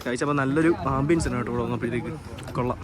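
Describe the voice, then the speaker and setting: Fast-talking Kerala man mixing Malayalam and English. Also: mid-range voice. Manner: mixes English words into Malayalam. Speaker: vlogger. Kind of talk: casual vlog chat to camera and friends. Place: outdoors at a waterside tourist spot. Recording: outdoor crowd and vehicle noise.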